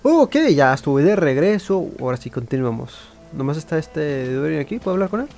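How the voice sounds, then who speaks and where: Casual higher-pitched man playing a game. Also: expressive, fast, creaky, a little mellow, soft background music. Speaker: gaming video creator. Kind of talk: casual let's play commentary.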